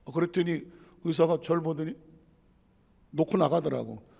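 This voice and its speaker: High, gravelly pastor in an echoing hall. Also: male voice, moderate pace. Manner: dramatic, acts out God's voice in shouts, swings from loud to hushed. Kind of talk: sermon. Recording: long reverb of a church hall.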